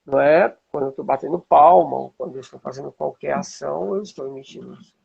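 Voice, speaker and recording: A Brazilian man with a husky, gravelly voice, teaching informally and checking in with rhetorical questions, as a music teacher would. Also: fairly high pitch, quick pace, lo-fi sound, crowd noise. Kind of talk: informal explanatory talk with demonstrations.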